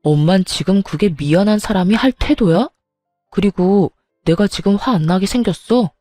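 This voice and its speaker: A woman's voice: medium pitch, moderate pace, dark tone, no room sound, faint music behind, lightly acted. A woman voicing an angry husband who confronts his mother with reproachful questions. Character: husband, angry middle-aged man.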